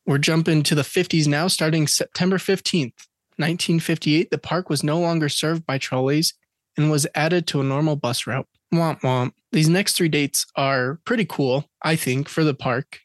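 A man with a fairly high voice hosts a casual podcast chat. He reads out facts and dates with jokes mixed in. The sound is close and dry, with no room around it. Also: steady tone, moderate pace, no echo. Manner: chatty, joking, reads facts and dates aloud. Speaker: podcast co-host.

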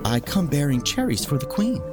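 Man voicing a gracious noble lady, pitched up. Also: big pitch swings, a little fast, music in the background. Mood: earnest pleading. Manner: earnest, gracious. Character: kind, generous, dreamy noble lady.

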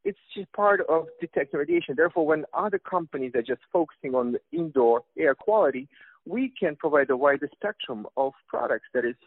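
A man's voice: fairly high pitch, animated, a little fast, no room sound. A man with a Russian accent answering interview questions about his company's products, hesitant, with many fillers and restarts. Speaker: company representative guest. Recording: tinny phone line, dry.

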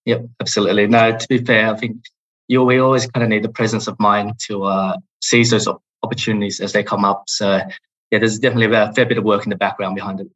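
A man in his thirties from Australia with an Australian accent, a podcast guest talking in a relaxed, reflective way with many fillers. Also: lowish voice, quick pace, low-quality recording. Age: 30s. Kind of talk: interview podcast.

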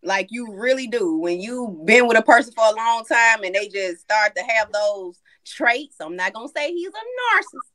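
Animated, high-voiced woman telling it straight. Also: moderate pace, hardly any pauses. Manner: animated, candid, blunt storytelling. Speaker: panelist. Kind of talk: casual chat.

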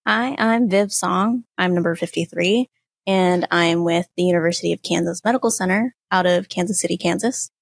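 Young female student, gravelly and lowish, dry close sound. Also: moderate pace, no echo. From Tulsa, Oklahoma. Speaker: audiology student guest. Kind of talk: casual interview answers.

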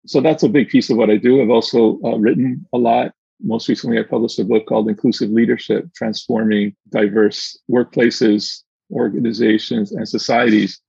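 Husky middle-aged man on roomy call. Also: medium pitch, fairly even intonation, moderate pace, hardly any pauses, a little mellow. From Argentina. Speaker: podcast guest, inclusion consultant. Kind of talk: conversational interview answers. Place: indoors, remote video call. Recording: dull, roomy video-call audio.

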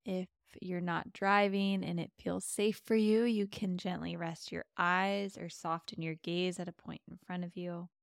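Low-voiced woman gently guiding meditation. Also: little pitch movement, creaky, no room sound, studio quality. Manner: gentle, slow, spacious instructions with long pauses. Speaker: meditation podcast host and guide. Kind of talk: soft, soothing guided meditation.

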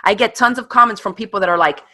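A woman in her thirties, a guest in a casual interview, telling her story in an animated, quick way with laughs. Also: medium pitch. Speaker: guest, online craft teacher.

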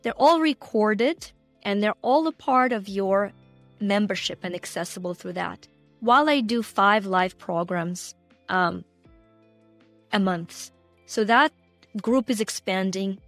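A woman coach talks on a podcast, earnest and animated. She laughs easily and speaks with feeling. The sound is dry and close, with faint music underneath. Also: medium pitch, slow, no echo. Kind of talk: conversational interview.

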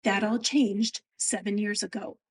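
Woman narrating, husky voice. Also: medium pitch, steady tone, a little slow. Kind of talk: scripted narration.

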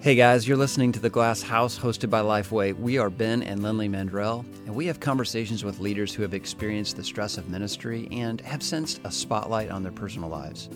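Music plays behind a man with a lowish voice who talks fairly quickly, barely pausing. He's co-hosting a ministry podcast interview, bringing in guests and asking them questions in an earnest, chatty way.

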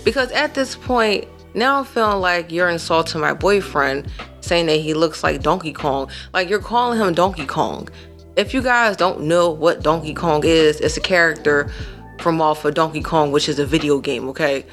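A woman in her thirties hosting a podcast, telling a personal story in a casual, animated way with emphatic asides to her listeners. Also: low-pitched, moderate pace, soft background music. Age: 30s. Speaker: podcast host.

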